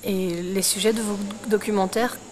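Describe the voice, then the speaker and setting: A woman's voice: mid-range voice, steady tone, moderate pace. A woman asking casual interview questions in a tentative way, often trailing off. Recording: clear ambient noise behind the voice.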